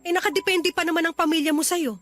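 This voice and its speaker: Unhappy blunt girlfriend in a radio love drama, high voice, earnest, soft music behind. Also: fairly even intonation, fast talker. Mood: blunt, upset. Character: unhappy young woman bluntly breaking up with her boyfriend. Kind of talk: radio romance drama acting.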